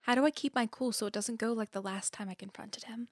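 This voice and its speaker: A woman's voice: on the high side, steady tone, fast talker, no room sound, studio quality, lightly acted. A woman playing an anxious but determined young student in an audio drama, understated and wry. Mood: guarded, anxious. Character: anxious, determined young female student, dry wit, guarded. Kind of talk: audio drama acting, naturalistic dialogue.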